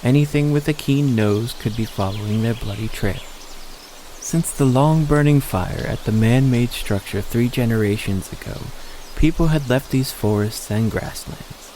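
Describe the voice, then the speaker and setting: A man with a mid-pitched voice narrates a scripted audio story. Faint outdoor nature sounds and insects run behind his reading. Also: darkish tone, a little hiss or hum, low-quality recording.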